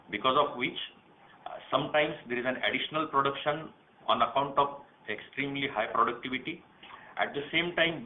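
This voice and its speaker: A man with an Indian accent answering questions formally on an earnings call, in the measured way of a senior company manager. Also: medium pitch. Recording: tinny phone line, some noise.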